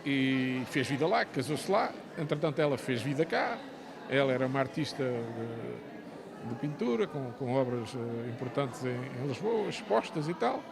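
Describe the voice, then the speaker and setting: A man's voice: mid-range voice, big pitch swings, vocal fry. An older man with a European Portuguese accent, an author talking in an interview with many hesitations and restarts. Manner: halting, many fillers and restarts. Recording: outdoor crowd chatter behind.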